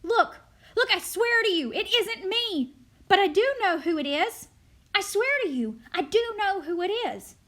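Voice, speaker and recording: A woman's voice: extremely high pitch, lively intonation, measured pace, pitched above the performer's own voice, full character voice. A woman voicing a desperate man in a read drama script, pleading insistently and shifting the blame. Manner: loud, insistent, emphatic pleading.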